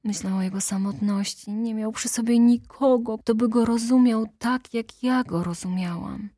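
A woman's voice: on the high side, steady tone, moderate pace, mellow, no room sound, clean studio sound, pitched above the performer's own voice, close to an everyday voice. A woman voicing a grieving young woman who pleads in tearful bursts and whispers, in an audiobook reading. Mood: pleading. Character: grieving young woman, Kurtz's fiancée, desperate.

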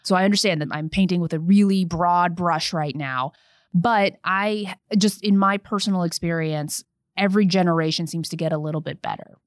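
A young woman attorney recounts a workplace story in an earnest, conversational podcast tone. Her voice sits on the low side and is recorded close and dry, with no room sound. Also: moderate pace, no room sound.

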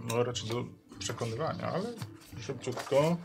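A man's voice: mid-range voice, moderate pace, creaky. A man playing in a tabletop game, chatting casually and reading out rules, with faint music behind. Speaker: player.

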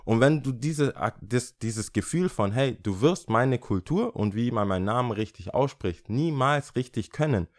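A man from Ghana co-hosting a casual conversation, opinionated and animated as he acts out little scenes. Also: mid-range voice, normal speed, hardly any pauses. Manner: opinionated, animated storytelling with acted-out quotes. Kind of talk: casual chat.

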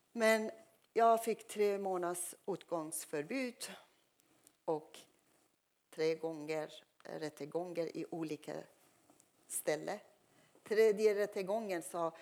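A woman's voice: lowish voice, vocal fry, darkish tone. Woman telling her story in learner Swedish. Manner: earnest, emotional storytelling in simple learner Swedish. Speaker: testimony speaker. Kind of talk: personal testimony.

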